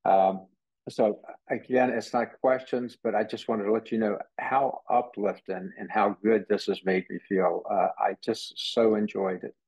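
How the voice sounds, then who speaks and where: Husky, low-voiced man. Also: steady tone, darkish tone, poor audio. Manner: halting, many fillers. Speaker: participant. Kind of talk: casual appreciative comment. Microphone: video call.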